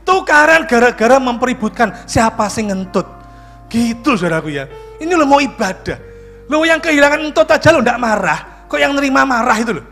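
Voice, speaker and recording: A male pastor, preaching a lively sermon full of jokes and questions to the congregation. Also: very high voice, brisk, soft background music. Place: church.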